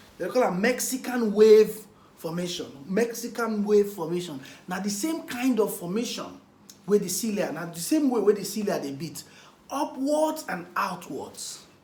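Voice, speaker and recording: Background noise is noticeable. The speaking pace stays moderate. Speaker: doctor. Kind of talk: medical lecture in pidgin.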